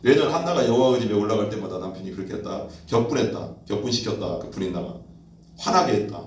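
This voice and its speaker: A man's voice: fairly low pitch, lively intonation, fast. A male pastor preaching a sermon in a conversational way, asking rhetorical questions and acting out quoted voices. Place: church hall. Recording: echoey room from far off.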